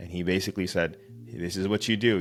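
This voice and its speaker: A man with a Filipino accent on a very clean recording against a silent background. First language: Tagalog. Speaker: YouTuber and UX designer. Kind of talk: casual talk to camera. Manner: hesitant, many fillers.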